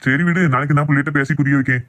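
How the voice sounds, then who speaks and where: A man's voice: mid-range voice, fairly even intonation, very fast, a bit bright, natural voice. A man voicing a stubborn, protective middle-aged village father in a cartoon family drama, assertive, with a Tirunelveli Tamil accent. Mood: confident, reassuring. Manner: assertive, dismissive of objections.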